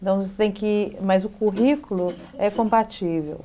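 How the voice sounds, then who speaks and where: A middle-aged woman from Brazil, an educational psychologist answering TV interview questions thoughtfully and pausing to find her words. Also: mid-range voice, steady tone, warm tone. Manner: thoughtful, pauses to search for words.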